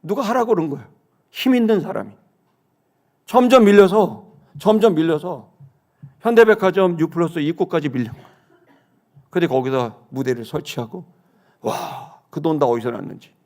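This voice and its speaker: Impassioned pastor with a higher voice. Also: male voice, animated, a little fast. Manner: impassioned, indignant, swings between hushed and loud. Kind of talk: sermon with personal storytelling. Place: church sanctuary.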